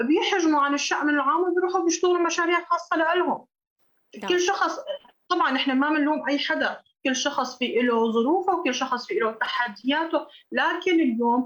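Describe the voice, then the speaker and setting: Lively intonation at a moderate pace. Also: woman, high pitch for a woman. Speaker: community leader. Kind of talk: radio interview.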